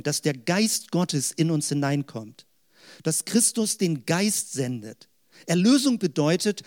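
A man giving an explanatory theological teaching talk, often pausing with fillers as he lays out his points. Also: high voice, a little mellow. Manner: explanatory, with fillers like "sag ich mal". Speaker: preacher.

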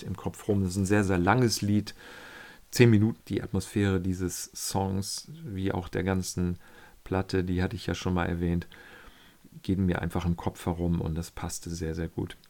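A man telling a casual, reflective account of his pilgrimage, often pausing and searching for the right words. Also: deep voice. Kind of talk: casual spoken travel account.

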